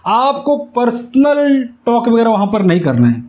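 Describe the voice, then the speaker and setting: A man teaches in a high, soft-edged voice. He explains things step by step as an instructor does, going back over key phrases so they stick. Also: very animated, measured pace. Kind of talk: instructional whiteboard lesson. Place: small indoor room with whiteboard. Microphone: lapel mic.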